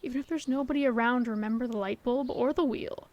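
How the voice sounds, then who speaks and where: A woman acting a gentle, hopeful best friend in an audio roleplay, talking to the listener in an earnest, reassuring, conversational way. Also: a little high, quick pace, highs cut off, natural voice. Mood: tender, hopeful. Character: gentle, hopeful female best friend comforting her secret crush. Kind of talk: scripted audio roleplay, intimate one-sided dialogue to the listener.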